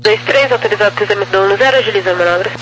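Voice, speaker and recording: A Brazilian man giving brisk procedural instructions as an air traffic controller, in radio phraseology over an aviation radio. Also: high voice, sharp tone, poor audio. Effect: aviation radio transmission.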